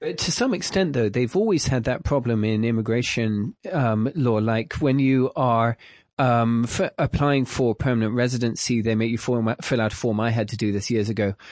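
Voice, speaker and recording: At a moderate pace with hardly any pauses, a man in a British accent speaks with medium pitch, ordinary pitch variation, and very even loudness against a quiet background. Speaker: podcast co-host.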